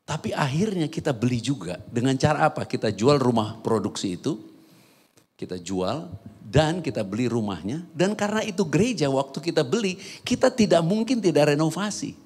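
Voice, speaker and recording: A man's voice: a little high, big pitch swings, normal speed, a little mellow, husky. A man preaching a sermon as pastor, telling a personal story and then building to fervent exhortation in a church hall.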